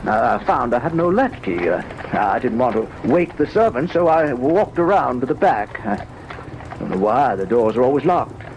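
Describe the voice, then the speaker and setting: An actor playing a distraught middle-aged father, a country gentleman, speaking gravely and haltingly with stammers in an old-time radio drama. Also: medium pitch, very animated. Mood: shaken, halting. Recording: muffled, noisy old radio recording.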